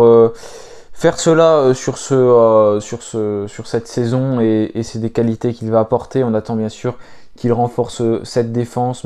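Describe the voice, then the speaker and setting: A man's voice: medium pitch, dark tone, clear, resonant tone. A French man hosting a football fan channel, talking through club news in a casual, hesitant way with many filler sounds.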